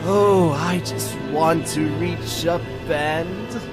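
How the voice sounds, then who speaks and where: An actor playing a sadistic, theatrical clown villain who taunts like a stage comedian in an audio drama. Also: male voice, a little high, extremely slow, music in the background. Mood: menacing taunting.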